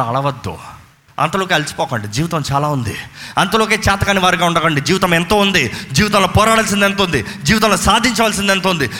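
A male pastor preaching a fervent sermon and leading prayer in a church, urging the crowd with repeated calls. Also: high-pitched. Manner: fervent, repetitive exhortation, calls for loud praise. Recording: reverberant church hall with music.

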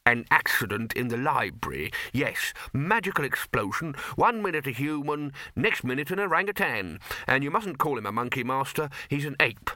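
A man's voice: medium pitch, lively intonation, normal speed, few pauses, pushed and bright, dry recording. A man voicing a nervous, deferential bursar in a comic fantasy storybook, hesitant and stammering with strained politeness. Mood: nervous, careful. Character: nervous, placating, deferential male university bursar at a wizards' college.

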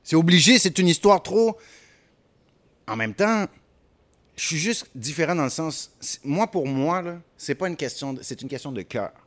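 A Montreal rapper, a guest in a casual interview, tells animated stories in a fairly high-pitched voice at normal speed, dropping English phrases. His French accent mixes Haitian and Quebec French.

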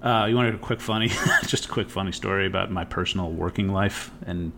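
A man's voice: sits low, fairly quick, gravelly, pushed and bright, a little hiss or hum. A man co-hosting a casual podcast, telling rambling work stories with swearing and frequent "right?" asides. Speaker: podcast co-host.

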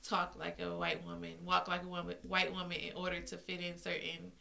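A woman's voice: lowish voice, monotone, a little fast, vocal fry, crowd noise. A woman with an African American accent talking casually in a group discussion as a podcast co-host.

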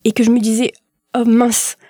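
A woman's voice: a little high, monotone, normal speed, dark tone, breathy edge, dry recording, studio quality. A woman from southern France hosting a casual conversation and asking questions. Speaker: host.

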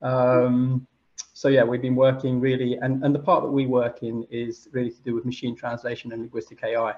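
A man's voice: medium pitch, little pitch movement, fairly quick, darkish tone. A man from the United Kingdom joins a podcast as a guest, speaking over dull, lo-fi video call audio. He talks in a hesitant, thoughtful way, stopping often on fillers. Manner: hesitant, many uhs and ums. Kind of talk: casual interview chat.

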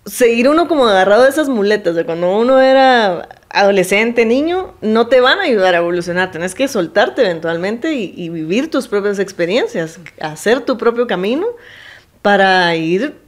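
A woman's voice: mid-range voice, animated, normal speed. A woman, reflecting thoughtfully in a casual podcast chat. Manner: thoughtful, agreeing, warm laughs between points. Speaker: podcast co-host.

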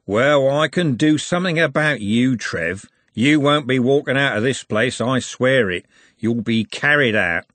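A man's voice: on the high side, fairly quick, dry recording, pitched above the performer's own voice, natural voice. A man voicing a menacing, working-class street bully in an audiobook, goading in colloquial speech.

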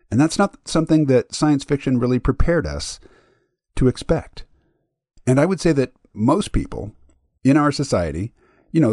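A man's voice: medium pitch, darkish tone, no room sound, studio quality. A man hosting his own podcast, talking through his ideas in a thoughtful, explanatory solo monologue. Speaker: podcast host.

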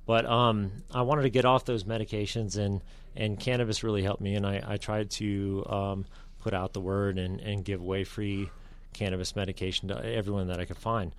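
A man speaking as a guest on a talk show, with a halting delivery full of fillers and restarts. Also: on the low side, level tone, smooth. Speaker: veteran advocate guest. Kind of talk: casual radio talk.

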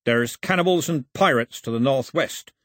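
A man's voice: medium pitch, normal speed, fairly bright tone, no echo, clean studio sound, pitched above the performer's own voice, natural voice. A man voicing a wary, plain-spoken sea captain with blunt, folksy, dryly deferential nautical talk in an audiobook. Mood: grave, practical.

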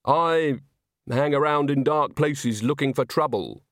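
A man's voice: on the high side, unhurried, a bit bright, dry recording, clean studio sound, voice pushed up. Man reading as a guarded, sneering undercover policeman.

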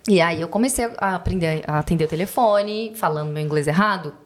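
A Brazilian woman with a Brazilian Portuguese accent, a podcast guest telling animated, profane stories and acting out quotes. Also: fairly low pitch, a little fast, slight background noise. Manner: animated, profane storyteller who acts out quotes. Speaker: podcast guest, bank teller. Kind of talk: casual podcast chat.

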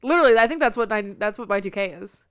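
A woman's voice: medium pitch, lively intonation, very fast, fairly bright tone, clean tone, dry recording. A woman in her twenties co-hosting a podcast, chatting casually with a sarcastic, teasing edge. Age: 20s. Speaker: podcast co-host. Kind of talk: casual chat.

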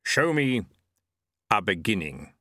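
A man voicing Death, a grave skeletal personification who speaks deliberately. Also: fairly low pitch, sing-song, pushed and bright, dry recording, clean studio sound, full character voice.

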